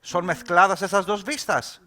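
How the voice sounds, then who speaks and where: A man interpreting live at a panel, speaking haltingly, word by word, and correcting himself as he goes. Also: high-pitched, steady tone, sharp tone.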